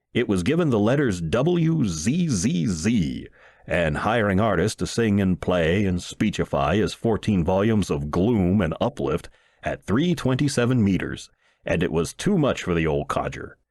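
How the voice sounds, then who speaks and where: Low-voiced, lively male storyteller. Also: no room sound, studio quality. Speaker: audiobook narrator. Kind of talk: first-person storybook narration.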